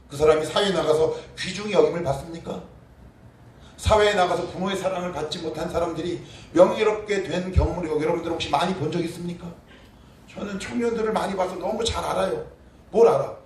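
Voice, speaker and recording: A man's voice: fairly high pitch, brisk. A middle-aged male pastor preaching a sermon, asking the congregation questions and crying out prayers. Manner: animated, asks the congregation questions, shouts acted prayers. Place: church sanctuary. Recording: echoey church room, from far off, faint noise.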